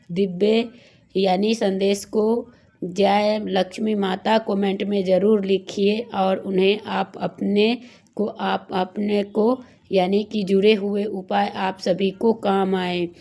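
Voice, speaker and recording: A woman whose voice is hoarse from a cold, telling a devotional story to her viewers in a casual, rambling way. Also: medium pitch, mellow. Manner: rambling, with many restarts and fillers; addresses viewers as friends. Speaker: devotional YouTuber.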